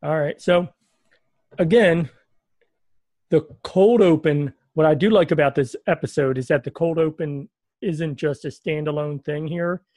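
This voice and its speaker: A man hosts a casual podcast, his voice sitting a little high and recorded dry and close. He rambles through jokes and sarcastic asides. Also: measured pace, darkish tone, no room sound. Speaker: podcast host.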